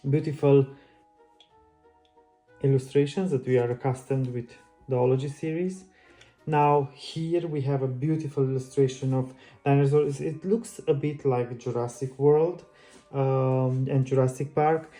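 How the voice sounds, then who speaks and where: Chatty man with a flat, mellow voice. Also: medium pitch. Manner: friendly, chatty, loose phrasing with restarts. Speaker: book channel host. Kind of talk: casual book flip-through vlog.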